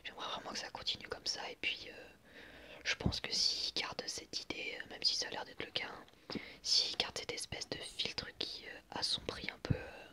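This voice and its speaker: Whispering young man, very bright and breathy. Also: normal speed. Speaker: ASMR video creator. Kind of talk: whispered ASMR commentary.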